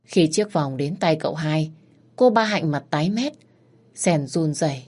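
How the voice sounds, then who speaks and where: A woman narrating a dramatic story in the first person, steady and dramatic. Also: deep voice, a little slow, breathy edge.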